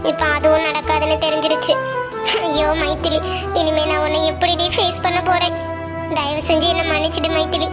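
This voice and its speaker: A woman's voice: sits high, monotone, brisk, loud music behind the voice, close to an everyday voice. A woman voicing a middle-aged mother in a cartoon family story, scolding and fretful.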